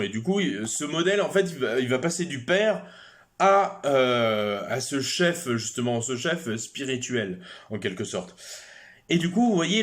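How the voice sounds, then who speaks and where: A man's voice: mid-range voice, a bit bright. A man giving a casual explanatory monologue, hesitant, with many fillers, restarts and chatty asides. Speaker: video creator.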